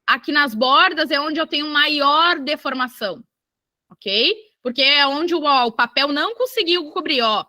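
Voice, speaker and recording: A woman from Brazil teaches an online exam-prep geography lesson with a high, bright, forceful voice. She is lively and keeps turning to her students to check they follow. The sound is dry and close to the mic. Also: moderate pace, no room sound.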